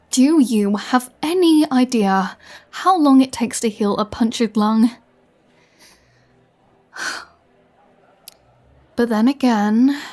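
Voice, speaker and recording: A woman's voice: medium pitch, lightly acted. A woman playing a flirty, teasing vampire with a sarcastic, playfully threatening manner in a roleplay audio drama. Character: flirty, teasing, menacing female vampire toying with a hunter.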